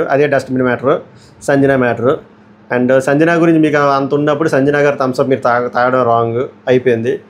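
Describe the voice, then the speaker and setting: A man giving a casual, opinionated review of a reality show episode, blunt and quick, often dropping in English words. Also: medium pitch, a little hiss or hum. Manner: blunt, rapid commentary mixing English words.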